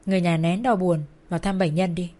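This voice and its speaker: A woman voicing a hospital doctor who gives bad news in a flat, matter-of-fact way in a storybook reading. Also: fairly low pitch, quick pace, lightly acted. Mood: grave.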